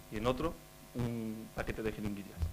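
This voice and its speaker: Moderate-paced speech with light background noise. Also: man. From Andalusia, Spain (Carmona, Seville province); Andalusia, Spain. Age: 30s. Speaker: agronomist; speaker. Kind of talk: conference talk. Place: meeting room. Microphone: podium.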